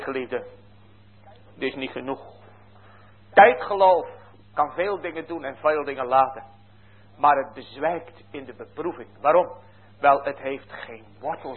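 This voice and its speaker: A man preaching a sermon earnestly and fervently, swinging from hushed to loud. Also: mid-range voice, breathy edge. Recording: tinny phone-like lo-fi recording.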